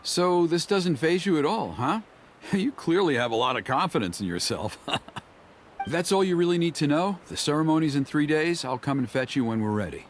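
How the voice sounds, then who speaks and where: An actor voicing a smooth-talking, flattering tribal ceremony organiser in a video game, genial, persuasive and theatrical. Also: male voice, a little high, normal speed, a little hiss or hum, lightly acted. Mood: persuasive, encouraging. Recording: music behind the voice. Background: game music.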